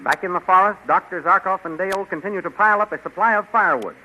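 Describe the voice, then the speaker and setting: A man announcing and narrating a 1930s radio adventure serial in a crisp, declamatory manner. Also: high-pitched, fast, sharp tone. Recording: muffled old 1930s radio recording.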